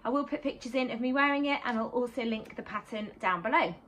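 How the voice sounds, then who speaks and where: A woman in her thirties talks through her sewing projects in a loose, rambling way, full of "um"s. Her voice sits a little high and carries a slight sore-throat roughness. She speaks to a camera at desk distance in a small home sewing room. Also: quick pace, fairly bright tone, slight background noise. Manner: chatty, rambling, many "um"s. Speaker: sewing vlogger and teacher. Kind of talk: chatty sewing catch-up vlog.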